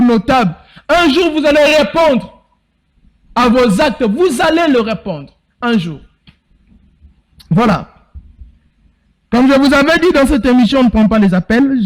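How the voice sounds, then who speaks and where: Impassioned high-voiced Congolese man. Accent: Congolese French. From Bandundu, DR Congo. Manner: impassioned, indignant, rhetorical questions, rising to shouts. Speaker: TV show host. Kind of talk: live political talk show monologue. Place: TV studio.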